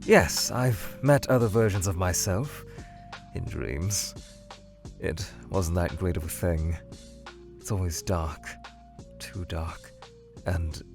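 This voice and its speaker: Low, brooding monster scientist, acted by a man. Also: exaggerated voice. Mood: brooding, resigned. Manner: measured, brooding, halting, trailing off. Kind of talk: fan audio drama, in-character answers to questions.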